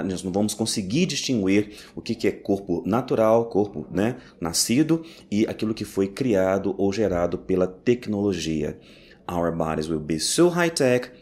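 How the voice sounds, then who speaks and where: A man teaching English in a recorded lesson, explaining step by step and slowly repeating each phrase. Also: on the low side, a little mellow. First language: Portuguese.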